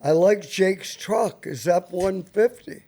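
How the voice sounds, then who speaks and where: High-pitched older man, blunt talk show host. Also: slow pace, mellow. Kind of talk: casual unscripted radio banter.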